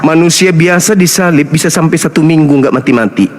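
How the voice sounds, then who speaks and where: A man arguing as a Muslim preacher in a heated interfaith debate, mocking and laughing, acting out quotes, swinging between shouts and slow low drawls. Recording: reverberant hall with faint noise.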